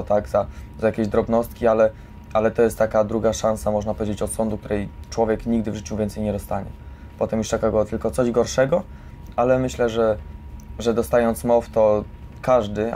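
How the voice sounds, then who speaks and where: A man's voice: fairly low pitch, mellow, a little hiss or hum. A young man giving informal, reflective testimony in an earnest way, often checking for agreement with short tag questions. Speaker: resident of a youth educational centre.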